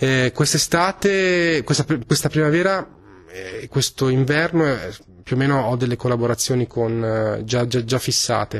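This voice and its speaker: The speech has ordinary pitch variation and is set against a quiet background. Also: man. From Italy. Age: 30s. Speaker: jazz drummer. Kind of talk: interview. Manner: halting with fillers.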